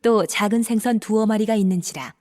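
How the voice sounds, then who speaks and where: A woman narrating scripture in a calm, even, reverent manner. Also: medium pitch, brisk.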